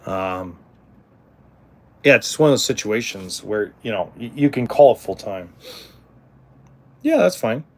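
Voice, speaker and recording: A man's voice: lowish voice, expressive, measured pace, long pauses. A middle-aged man hosting a casual livestream about RVs, answering viewers in a rambling way, with frequent ums, restarts and blunt cursing. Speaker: RV livestream host.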